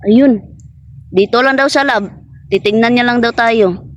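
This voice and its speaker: A woman's voice: fairly high pitch, measured pace. A woman vlogging outdoors in a garden, chatting casually with an unseen spirit friend, passing on what it says and laughing often. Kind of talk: casual spoken vlog addressing an unseen spirit.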